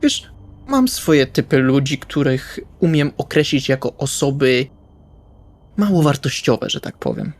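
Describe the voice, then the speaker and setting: A man's voice: mid-range voice, very animated, a little slow. A man playing a blunt, jaded but protective ex-military vampire who swears, in an improvised roleplay audio drama. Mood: bitter.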